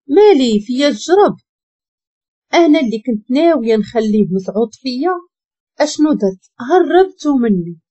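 A woman's voice: on the high side, dark tone, breathy edge. A woman with a Moroccan accent narrating a first-person story in colloquial speech and voicing the other characters' lines dramatically.

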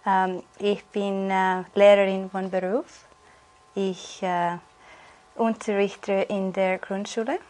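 Woman in her twenties from Estonia, exam candidate; unhurried, hesitant answers. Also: mid-range voice, flat delivery, darkish tone. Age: 20s. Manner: hesitant, with fillers. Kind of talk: spoken language exam answers. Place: indoor room.

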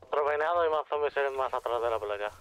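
A man's voice: mid-range voice, brisk, fairly bright tone, clean tone. A man from talking casually as a player in an online roleplay game. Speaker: roleplay gamer. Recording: lo-fi noisy game voice chat.

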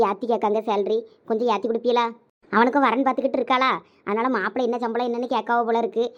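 A woman's voice: high voice, dull audio, close to an everyday voice. A woman playing a deferential village wife in a family skit. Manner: quick, pleading, deferential.

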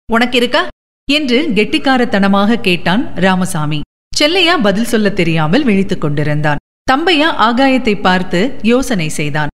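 Expressive woman storyteller with long reverb. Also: on the high side. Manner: expressive, animated reading. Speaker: radio storyteller and host. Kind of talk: scripted short story narration.

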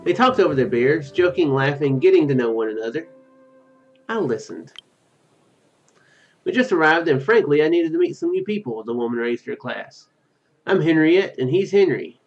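A man in his thirties with a slightly high, very lively voice reads a story game aloud. He drifts into casual, musing asides as he goes. The audio is a bit dull, with music playing underneath. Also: moderate pace, long pauses. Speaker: let's play host. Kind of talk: reading game text aloud with casual commentary. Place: small room at home.

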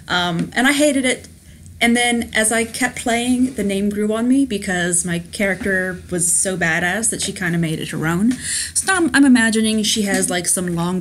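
Woman, lower voice, chatty, enthusiastic, giggly, let's play commentary, faint hiss. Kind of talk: casual game commentary and reading aloud. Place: home, at a laptop.

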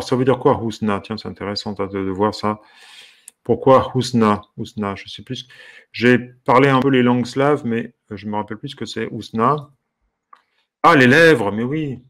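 A man who teaches harmonica talks his way through what he is browsing in a relaxed, casual commentary. He sounds curious and amused, musing aloud and breaking off with soft exclamations, his voice sitting at an ordinary middle pitch. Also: normal speed.

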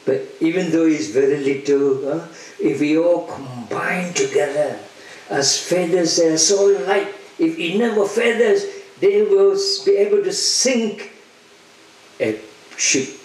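An older man, a priest, giving an interpreted homily at a church lectern in slow, emphatic phrases. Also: fairly high pitch, darkish tone. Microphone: lectern microphone. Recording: very echoey church hall.

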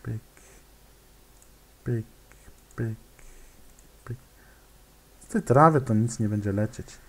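A man's voice: mid-range voice, slow, fairly bright tone, a little hiss or hum. A man giving casual gameplay commentary, muttering to himself, hesitating and making clicking sounds as he plays. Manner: hesitant, many fillers and restarts.

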